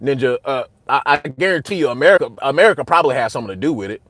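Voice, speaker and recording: A young man hosting a casual livestream, talking back to his chat in a heated, repetitive way that gets loud and high when he is worked up. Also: lively intonation, rapid-fire, no echo. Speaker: host.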